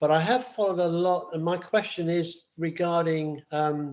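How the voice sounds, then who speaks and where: With ordinary pitch variation, the words come out at a fairly slow pace. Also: man. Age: 70s. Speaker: forum participant with spinal cord injury. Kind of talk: online Q&A question. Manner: halting, many fillers.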